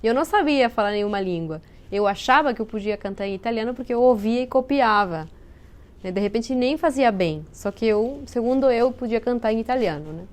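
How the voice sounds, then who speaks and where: A woman's voice: on the high side, lively intonation, a little fast. A Peruvian woman with a Spanish accent, a native Spanish speaker, talking as an interview guest in a thoughtful, explanatory way and sometimes searching for words. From Peru. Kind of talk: casual interview chat.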